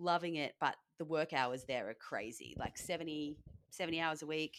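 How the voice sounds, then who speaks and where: A woman with an Australian accent speaks in a very deep, low pitch. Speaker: podcast host and fitness coach. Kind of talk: casual chat. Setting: remote recording.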